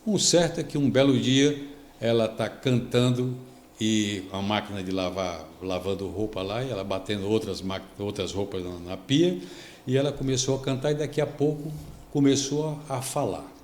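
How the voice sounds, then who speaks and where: A Brazilian man, a pastor, telling a story on a devotional podcast, lively and acting out the people he quotes. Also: lowish voice, moderate pace, echoey room, a little hiss or hum. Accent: Brazilian Portuguese. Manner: animated storytelling, acts out quoted speech.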